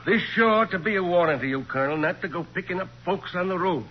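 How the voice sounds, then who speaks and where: High-pitched, folksy small-town sheriff. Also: male voice, lively intonation, fast talker. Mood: folksy, confident. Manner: folksy, blunt, colloquial. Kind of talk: 1940s radio crime drama acting. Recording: muffled, noisy 1940s radio recording.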